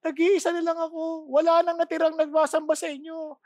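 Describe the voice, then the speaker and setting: A woman's voice: very high-pitched, little pitch movement, fairly quick, darkish tone, no room sound, voice pushed up. A woman voicing a weary, despairing male prophet who pleads and repeats himself, in a dry, close recording. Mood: weary lament.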